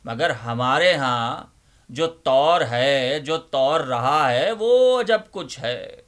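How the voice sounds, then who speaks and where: A man playing a bookish old librarian uncle, giving theatrical, emphatic Urdu-literature readings with deliberate repetition. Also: mid-range voice, expressive, a bit bright, close to an everyday voice. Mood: impassioned. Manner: emphatic, deliberate, repeats phrases rhetorically. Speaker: host, dramatic reader of Urdu literature. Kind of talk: theatrical dramatic reading and monologue.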